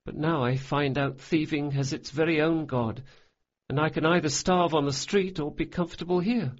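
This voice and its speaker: A man voicing a large, quiet boy who speaks gently and haltingly. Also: fairly high pitch, highs cut off, voice pushed up, natural voice. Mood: sad. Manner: soft, halting and hesitant.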